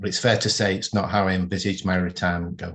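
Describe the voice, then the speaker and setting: A man speaks with a Mancunian accent at a fairly low pitch. The background is quiet. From northern England, Manchester. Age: 60s. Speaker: patient sharing personal story. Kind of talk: testimony. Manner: careful, scripted delivery.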